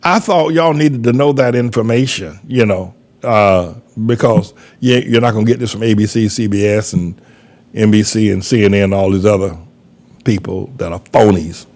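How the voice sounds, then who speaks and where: A man's voice: on the low side, moderate pace, a little mellow. An older man from North Carolina, preaching in an emphatic, repetitive, folksy way as a pastor giving commentary. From North Carolina, USA.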